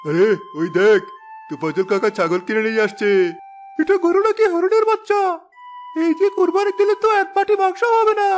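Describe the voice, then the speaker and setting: A man doing a jeering village gossip, shrill. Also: animated, brisk, soft background music. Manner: mocking.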